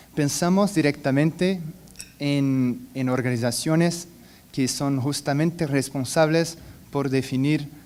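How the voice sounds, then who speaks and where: A man speaks with a Portuguese accent and a fairly high pitch. His pitch varies in an ordinary way. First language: Portuguese (speaking Spanish). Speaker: competition authority commissioner and law professor. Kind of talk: conference presentation. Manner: halting, many false starts and fillers.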